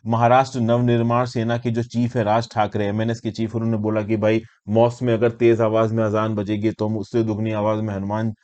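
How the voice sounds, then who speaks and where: A man's voice: lowish voice, monotone, a little fast, few pauses, darkish tone, highs cut off. A man with an Indian accent giving an explanatory current affairs lecture, conversational and teacherly, mixing in English terms and posing questions as he goes. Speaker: educator and presenter of current affairs lessons. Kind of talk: explanatory lecture for exam students.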